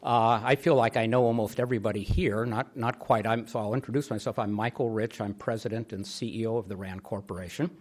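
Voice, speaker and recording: Man, middle-aged, rough husky voice, lowish, podium speech, formal introduction, halting deliberate delivery. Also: steady tone. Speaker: host introducing a lecturer.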